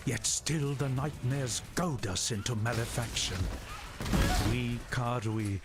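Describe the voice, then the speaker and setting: A man playing a grave tribal storyteller in a game, solemnly lamenting a cursed, storm-haunted land in measured dramatic narration. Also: mid-range voice, loud music behind the voice, close to an everyday voice. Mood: grim, foreboding.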